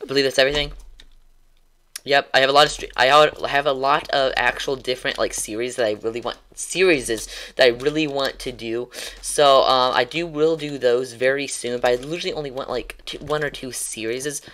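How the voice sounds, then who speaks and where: A man's voice: medium pitch, steady tone, brisk, fairly bright tone. Rambling, tongue-tied young streamer guy. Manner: rambling, tongue-tied, many restarts and ums; chuckles while talking. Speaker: gaming streamer. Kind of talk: casual livestream sign-off chat.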